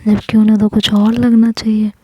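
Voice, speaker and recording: A woman's voice: medium pitch, flat delivery, moderate pace, mellow, slightly rough, dry recording, lo-fi sound, close to an everyday voice. A woman voicing a playful, caring young female friend in a whispered storytelling voice.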